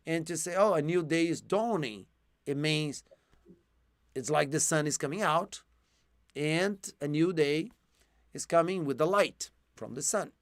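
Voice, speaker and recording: A man's voice: a little high, measured pace, pauses often, dry recording, clean studio sound. A man teaching English in a live one-to-one online lesson, explaining words patiently with many fillers and restarts, his voice tiring. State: losing his voice.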